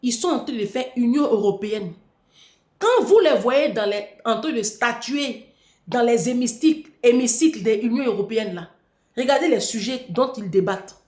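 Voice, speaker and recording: A woman's voice: on the high side, expressive, moderate pace, a little mellow. A woman delivering a taunting, provocative vlog rant. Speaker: vlogger. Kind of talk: mocking monologue to camera. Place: room in France. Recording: echoey room.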